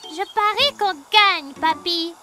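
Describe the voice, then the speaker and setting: Very high, eager little boy. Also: takes it slowly, very noisy. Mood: excited. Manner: eager, exclaiming, childlike. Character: excitable curious four-year-old boy, eager and sweet. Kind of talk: children's cartoon dialogue.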